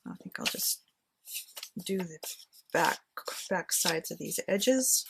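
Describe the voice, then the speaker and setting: A woman's voice: fairly low pitch, lively intonation, slow pace, gravelly, fairly bright tone, a little hiss or hum. A woman chatting casually to herself and her viewers while she decorates a handmade journal at home. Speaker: crafting vlogger. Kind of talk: casual crafting chat.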